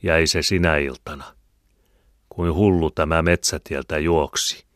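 A man's voice: very deep voice, fairly even intonation, fairly bright tone, no echo, clean studio sound. A man voicing an old country farmhand who speaks in a plain, matter-of-fact way.

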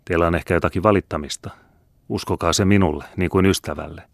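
A man reading the part of a kindly king, speaking courteously and gently. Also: low-pitched, fairly even intonation, gravelly, no echo, clean studio sound. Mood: gracious. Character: kindly gracious male king.

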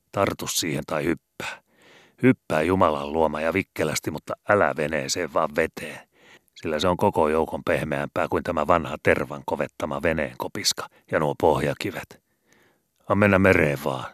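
Deep-voiced guy doing a loud, swearing old sea pilot, bossy and boastful, storybook. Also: dry recording, clean studio sound. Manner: loud scolding, swearing, rough rural speech.

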